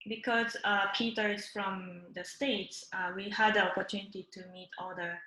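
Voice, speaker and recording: A woman from Japan with a Japanese accent, presenting her work in English, which is not her first language, in a halting way with many fillers and restarts. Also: medium pitch, steady tone, reverberant, background noise. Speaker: guest artist.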